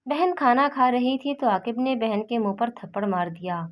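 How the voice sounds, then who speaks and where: A woman's voice: a little high, moderate pace. A woman narrating a family moral story, reading the dialogue of each character in her own plain voice.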